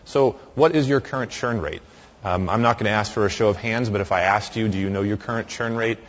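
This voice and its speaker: A man with a very low, deep voice gives a conversational conference talk in a large hall. He speaks into a microphone and often stops and starts himself. The recording sounds muffled and lo-fi. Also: brisk. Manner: conversational with frequent fillers and restarts.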